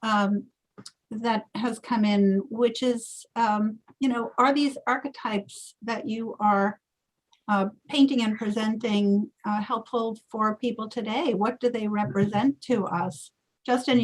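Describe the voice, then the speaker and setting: A woman's voice: medium pitch, low-quality recording. A woman moderating a panel discussion, introducing questions and encouraging speakers with brief responses.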